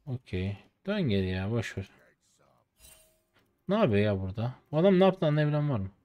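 A Turkish streamer in his late twenties gives slangy, casual commentary over his own gameplay, getting excitable and shouting when the game turns. His medium-pitched voice moves a little fast, the audio is dull, and faint music plays behind him.

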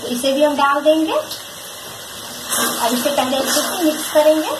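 A woman's voice: sits high, a little slow, reverberant, very noisy. A woman demonstrating a recipe step by step at her home stove, patient, repeating each instruction and speaking directly to viewers. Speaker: home cook presenting a recipe.

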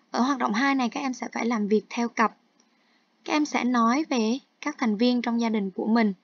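A woman's voice: fairly high pitch, no room sound. A woman English teacher explaining textbook exercises step by step in an online lesson, mixing in English terms. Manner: explains each task step by step, switching between Vietnamese and English terms. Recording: dull, dry lo-fi recording.

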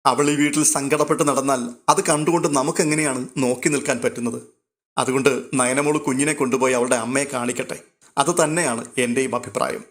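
A man voicing a kind elderly grandmother who speaks softly and gently. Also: fairly even intonation, a little fast, close to an everyday voice. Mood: gentle. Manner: soft, gentle, lower and quieter.

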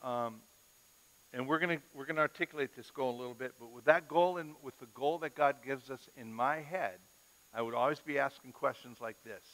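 A middle-aged male pastor giving a parenting lecture to a live audience, an animated storyteller who acts out scenes. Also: mid-range voice, brisk. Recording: long reverb of a large hall.

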